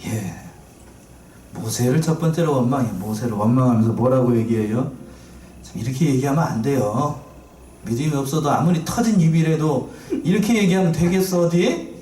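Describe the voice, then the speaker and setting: A man preaching a sermon as pastor, lively and playful, asking his congregation questions. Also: medium pitch, normal speed, a little hiss or hum. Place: church sanctuary. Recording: echoey church from far off.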